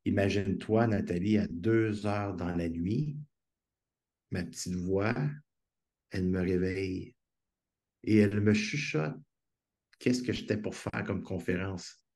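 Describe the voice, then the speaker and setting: A man's voice: deep voice, fairly even intonation, takes it slowly, pauses often, a little mellow. A man with a Québécois French accent, a guest speaker telling stories in a conversational interview, earnest and enthusiastic, on a video call.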